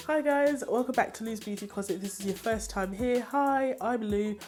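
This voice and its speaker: A woman's voice: a little high, normal speed, over music. A young woman, a bit nasal from a cold, chatting enthusiastically as she reviews beauty products she has used up. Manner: chatty, enthusiastic, laughs often. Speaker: beauty vlogger. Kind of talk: casual product review chat.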